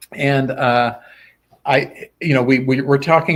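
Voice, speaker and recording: A man is speaking. His voice is somewhat breathy. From Indiana, US Midwest. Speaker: sword swallower. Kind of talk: interview storytelling. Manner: animated.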